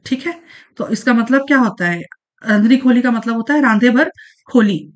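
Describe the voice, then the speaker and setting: A woman walks students through exam questions in a relaxed, repetitive way. She keeps coming back to fillers and reminders to remember each answer. Her voice sits a little high. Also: normal speed, highs cut off. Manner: repeats points, frequent fillers and "ठीक है, याद रखिएगा". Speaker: exam prep teacher. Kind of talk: casual explanatory lesson.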